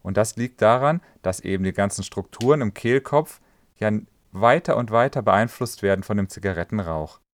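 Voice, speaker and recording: A man with a fairly low voice teaches like a voice coach, calm and instructive, talking straight to the listener. The sound is dry and close, with no room around it. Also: moderate pace, dry recording. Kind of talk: educational explainer on voice health.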